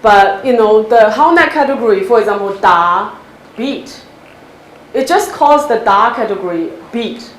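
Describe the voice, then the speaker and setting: A woman with a Cantonese accent answers technical questions in a lecture hall. Her replies are quick and direct, and she explains with examples. The room is echoey, with a faint hum underneath. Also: on the high side, lively intonation. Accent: Cantonese-accented English. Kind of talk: academic Q&A after a talk.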